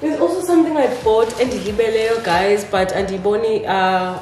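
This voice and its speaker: Faint music plays behind a woman talking at a moderate pace. Her pitch varies in an ordinary way, and room echo is audible. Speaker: home vlogger. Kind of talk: casual vlog chat. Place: kitchen. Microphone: phone near.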